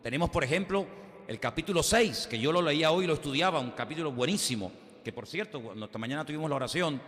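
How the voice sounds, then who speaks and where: Animated preaching man. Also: fast talker. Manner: animated storytelling, dramatic swings of pitch and volume. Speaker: pastor. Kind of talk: sermon. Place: church. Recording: long church hall reverb.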